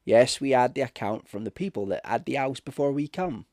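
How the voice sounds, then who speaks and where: A man's voice: mid-range voice, animated, a little fast, darkish tone, dry recording, studio quality, close to an everyday voice. Man voicing a folksy innkeeper. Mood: wary. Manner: folksy, dialect-laden storytelling. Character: rustic English innkeeper, superstitious, deferential and reproachful. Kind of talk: ghost story audiobook character.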